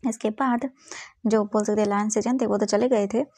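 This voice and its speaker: A woman's voice: medium pitch, steady tone, normal speed, darkish tone, slightly rough, no room sound. A woman narrating a fan story casually, mixing English words into her telling.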